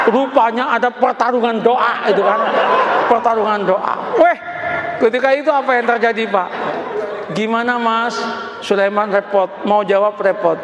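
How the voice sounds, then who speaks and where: A man's voice: high voice, noisy background. A man telling a humorous story as a preacher, acting out the dialogue in a sermon. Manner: acts out dialogue with Javanese phrases, laughing asides. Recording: echoey hall, lo-fi audio with faint ambience.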